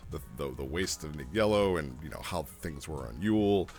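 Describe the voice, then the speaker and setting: A man's voice: extremely low pitch, expressive, moderate pace, soft background music. A man giving a casual, rambling spoken review as a host, conversational and repeating phrases as he explains things. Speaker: host reviewing role-play logs.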